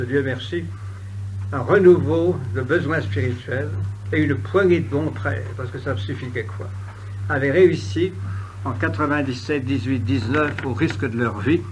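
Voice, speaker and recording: A man giving a history lecture in an oratorical, emphatic way, with pointed pauses and ironic asides. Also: medium pitch. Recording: noisy old lecture recording with clicks.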